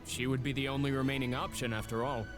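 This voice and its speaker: A man's voice: mid-range voice, flat delivery, quick pace, natural voice. An actor playing a courteous, apologetic male shelter director, speaking in a formal, polite manner. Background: game music.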